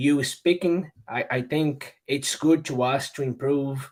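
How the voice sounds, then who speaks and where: On a very clean recording with a silent background, a man speaks with a Portuguese accent. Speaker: English learning channel host. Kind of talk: livestream interview. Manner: halting.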